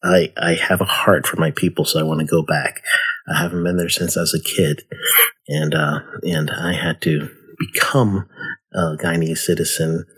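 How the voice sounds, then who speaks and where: Deep husky-voiced man in his forties. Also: steady tone, moderate pace, a bit bright, rough recording. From United States. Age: 40s. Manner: rambling, friendly, many fillers. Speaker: podcast host. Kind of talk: casual solo podcast talk.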